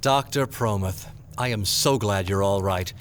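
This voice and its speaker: A man's voice: lowish voice, a little slow, noisy background, lightly acted. A man playing an effusive, formal corporate executive in an audio drama. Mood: effusive, reassuring.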